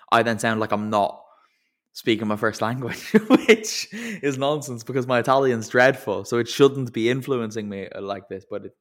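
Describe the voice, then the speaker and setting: A man hosting a casual football podcast, rambling and self-deprecating as he thinks aloud. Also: mid-range voice. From English-speaking country. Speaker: podcast host. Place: lives in Italy.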